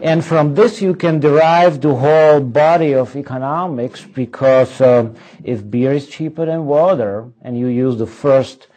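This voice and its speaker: Slow, halting man with a Czech accent. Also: medium pitch, dark tone, rough recording. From Czech Republic. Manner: hesitant, many ums and restarts. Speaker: economics professor giving a lecture. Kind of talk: conference lecture with dry humor.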